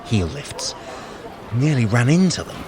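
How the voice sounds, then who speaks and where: A sly trickster god guides a runner through an audio drama. The pitch moves freely as he gives furtive, commanding instructions, over clear outdoor bustle. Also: very animated, unhurried, noisy background. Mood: urgent, furtive. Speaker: workout guide.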